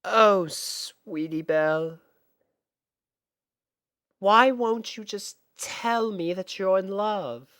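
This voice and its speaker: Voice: mid-range voice, drawn-out words, pauses often, a bit bright, clean tone, dry recording, clean studio sound, voice pushed up. A narrator voicing a caring young female pony, a refined and tender big sister in a storybook reading. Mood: tender, wistful.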